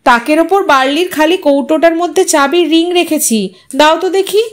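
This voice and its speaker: A woman's voice: extremely high pitch, normal speed, pitched above the performer's own voice. A woman voicing a fussy, reproachful young wife who is fond of her husband, in an audio story. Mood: exasperated.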